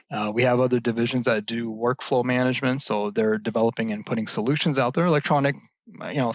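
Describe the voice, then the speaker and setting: Man, gravelly voice, dry close sound, interview guest, animated storytelling, lots of fillers. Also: mid-range voice, no echo. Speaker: guest, IT services business leader. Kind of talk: conversational interview answers.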